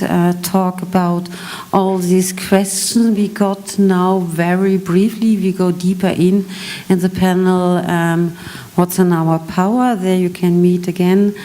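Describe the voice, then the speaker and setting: A woman moderating a conference session, giving brisk, polite closing remarks with a few hesitations. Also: fairly low pitch, mellow.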